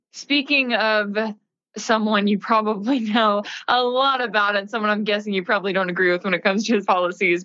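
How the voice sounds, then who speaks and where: A woman's voice: medium pitch, bright, forceful tone, highs cut off. A woman hosting a talk radio interview, asking leading questions in a conversational way. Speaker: radio show host.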